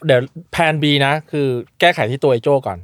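A man's voice: medium pitch, a little fast, dry recording, clean studio sound. A man co-hosting a casual podcast chat, brash and joking, using coarse slang. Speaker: podcast co-host.

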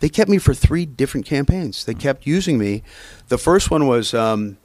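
A middle-aged man with a slight rasp from a cold, telling rambling career stories with lots of fillers in a casual interview. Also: medium pitch, animated, darkish tone, no echo. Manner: rambling, halting storytelling with many fillers. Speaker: actor and voiceover artist. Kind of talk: casual podcast interview chat.

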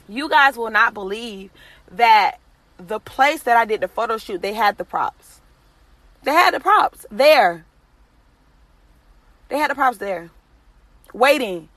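Bright, emphatic woman giving motivational faith talk. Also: a little high, no echo, low-quality recording. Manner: emphatic, exhorting, repeats phrases for emphasis. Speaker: faith podcast host.

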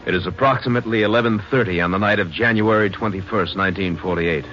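A man's voice: lowish voice, fast talker. A man giving scripted, scene-setting narration for an old-time radio drama. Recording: muffled old radio broadcast. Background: music.

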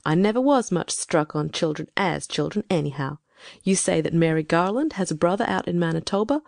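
A woman's voice: on the low side, lively intonation, brisk, gravelly, a little mellow, no room sound, studio quality, voice pushed down. A woman voicing a stern, grim farm wife. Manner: grim, scolding, clipped. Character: stern, sharp-tongued older farm wife.

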